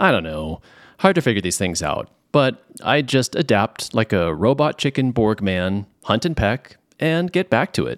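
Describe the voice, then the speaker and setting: In a dry, close sound with no echo and a silent background on a very clean recording, a man with an American accent speaks at a moderate pace and medium pitch, his tone playful and animated with very wide pitch swings. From Southern California. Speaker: podcast host. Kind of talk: scripted letter reading, playful. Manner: playful, animated, humorous.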